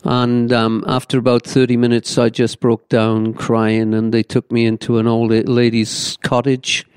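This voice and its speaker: A Welsh pastor in his seventies tells his story, earnest and reflective, often pausing on little fillers. His voice is smooth and resonant, sitting at a middle pitch. The recording is dry and close. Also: completely flat delivery, a little mellow, no room sound. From Wales. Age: 70s. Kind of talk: telling his life story in an interview.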